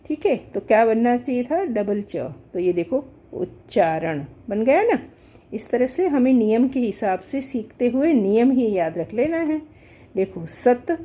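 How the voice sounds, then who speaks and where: A woman's voice: medium pitch, mellow. A woman teaching a grammar lesson, explaining step by step and checking in often with "thik hai". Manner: patient, repetitive explaining with frequent "thik hai". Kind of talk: classroom lesson at a board. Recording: dull lo-fi sound.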